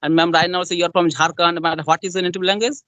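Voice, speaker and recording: Young indian guy, bengali accent, high-ish voice, lots of uh and repeats, dry sound. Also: little pitch movement, quick pace, a bit bright, no echo. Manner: repetitive, with many fillers. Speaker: interviewer in a practice conversation. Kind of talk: casual conversation practice.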